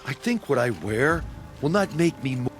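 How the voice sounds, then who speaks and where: Brash tribal brawler played by a man for a video game, boastful yet rueful, lively intonation, music underneath. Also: mid-range voice, normal speed, close to an everyday voice. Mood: indignant. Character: brash, battered male tribal warrior, proud and jokey. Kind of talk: dramatic video game acting.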